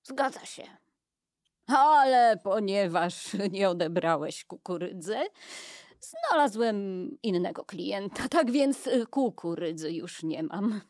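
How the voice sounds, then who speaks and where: A woman playing a scheming, smug male guard and trader in an improvised children's radio play, brisk and bargaining. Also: mid-range voice, very animated, darkish tone, dry recording, studio quality.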